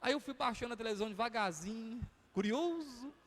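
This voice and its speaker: A man's voice: extremely high pitch, a little fast. A man with a Brazilian accent, a pastor preaching a sermon in a chatty, humorous storytelling way. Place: church. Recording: reverberant church hall.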